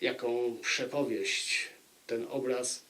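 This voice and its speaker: A man giving an unscripted book review, speaking deliberately and repeating phrases for emphasis. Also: mid-range voice, little pitch movement, pushed and bright, rough recording.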